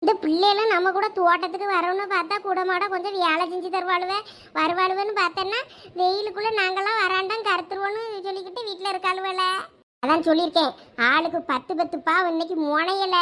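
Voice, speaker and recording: A woman's voice: very high-pitched, steady tone. A woman voicing a bossy village mother in a cartoon, scolding her daughters with a Thoothukudi Tamil accent. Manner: sharp scolding, rapid nagging. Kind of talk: cartoon voice acting.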